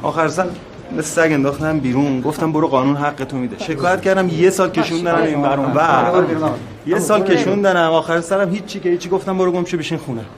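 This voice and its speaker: An actor playing a desperate, hot-tempered working-class husband in a film drama, shouting and pleading. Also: male voice, a little high, steady tone, a crowd in the background, lightly acted. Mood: bitter.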